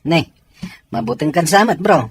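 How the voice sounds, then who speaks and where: A man playing an earnest soldier in an audio drama, with a rough, husky voice and a Filipino accent. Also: a little high, expressive, moderate pace, dry recording. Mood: grave, urgent. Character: earnest Filipino soldier readying comrades for battle. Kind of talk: Ilocano audio drama acting.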